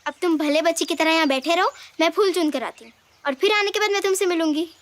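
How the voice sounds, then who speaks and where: A woman's voice: very high voice, quick pace, a bit bright, slight background noise. A woman voicing a cheerful little girl who gathers flowers, in a cartoon, chatty and teasing.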